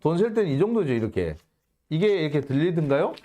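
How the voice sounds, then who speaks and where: A man's voice: on the high side, big pitch swings, fast talker, dark tone. A male host giving casual commentary on a news report, sarcastic and indignant, firing off mocking rhetorical questions.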